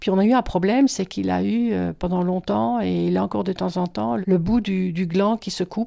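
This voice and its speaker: A woman talks at a moderate pace with hardly any pauses. The recording is very clean, with a silent background. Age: 60s. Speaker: anonymous testimony contributor. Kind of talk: testimony.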